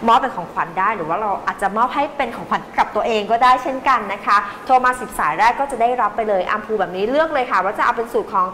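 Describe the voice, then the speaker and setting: A woman hosting a TV home shopping show, pitching skincare with brisk sales patter in a studio. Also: sharp tone, in a large hall, a little hiss or hum, rough recording. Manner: brisk selling patter, reads out prices and phone number.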